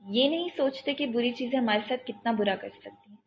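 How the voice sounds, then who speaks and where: A woman narrating a novel in a measured storytelling voice, on dull lo-fi audio with faint hiss. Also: on the high side, faint music behind.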